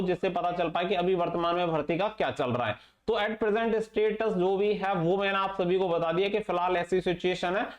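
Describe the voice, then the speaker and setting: A man with a high voice hosts an informal update for exam candidates. He speaks straight to his viewers and drops in English terms. The recording is slightly dull, with clear room echo. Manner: direct address, mixing in English terms. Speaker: exam-update channel host. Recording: echoey room, slightly muffled sound.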